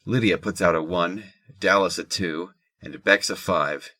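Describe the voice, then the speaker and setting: A man's voice: low-pitched, a little slow, pushed and bright, dry recording. A man narrating a scripted audio drama.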